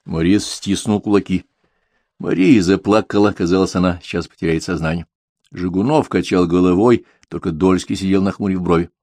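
A man narrating an audiobook in a steady, even storytelling manner. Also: low-pitched, normal speed, dry recording, clean studio sound. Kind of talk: scripted narration.

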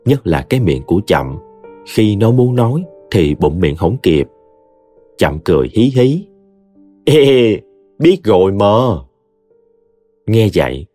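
A man narrating a story in an expressive reading. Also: low voice, breathy edge.

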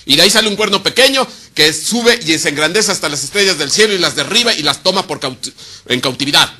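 In his sermon, a man speaks fast and in an animated way. He asks rhetorical questions, answers them himself, and alternates between loud emphasis and hushed, low asides.

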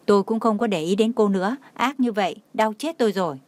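A man's voice: high-pitched, quick pace, a little mellow, no echo, natural voice. A woman voicing a playful young man who yelps and pleads when hurt, in a dry recording. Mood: whiny complaint.

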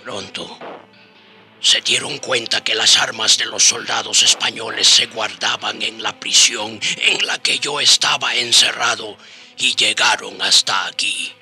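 A man's voice: lowish voice, steady tone, a little slow, creaky, sharp tone, full character voice. An actor playing a weary, humble old Indigenous prisoner, telling his story in a dramatic, reflective radio drama style. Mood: recounting. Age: older. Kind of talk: radio drama acting and narration. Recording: radio drama with faint background music.

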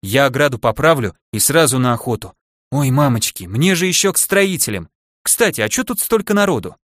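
A man doing a worn-out hoarse dwarf. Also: mid-range voice, lively intonation, fairly quick, a bit bright, no echo, clean studio sound, natural voice. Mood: harried. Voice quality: hoarse, groaning. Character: exhausted hoarse male dwarf shopkeeper, harried.

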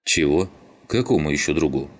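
A man's voice: rumbling low, expressive, moderate pace. A man reading an audiobook, voicing a brash, mocking young skinhead.

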